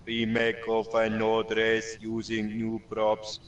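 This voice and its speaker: A man putting on a flat, robotic monotone voice, like a robot reading text aloud, during casual gaming chat. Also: lowish voice, slow, distant mic, a little hiss or hum, pitched below the performer's own voice.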